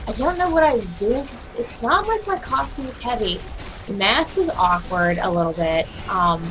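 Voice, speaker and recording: A young woman with a hoarse, raspy voice, casually commenting on her own gameplay while streaming from home and chatting with viewers. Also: medium pitch, noisy background. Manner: chatty, profane, talks to herself while playing. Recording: game music behind voice. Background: game music.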